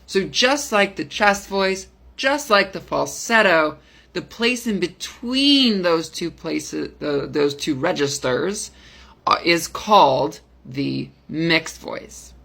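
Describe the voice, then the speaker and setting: A young woman voice coach explaining vocal technique in a casual, demonstrative way, switching into falsetto and chest voice. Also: lively intonation, takes it slowly, vocal fry, fairly bright tone. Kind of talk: explaining vocal technique simply with sung examples.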